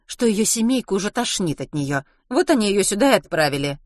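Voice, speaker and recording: A woman voicing a stern, coldly calm, disapproving woman who mutters and grumbles in an audiobook story. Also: medium pitch, fairly quick, dry recording, clean studio sound, pitched above the performer's own voice, lightly acted. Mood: grumbling. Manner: muttering, cold, even delivery.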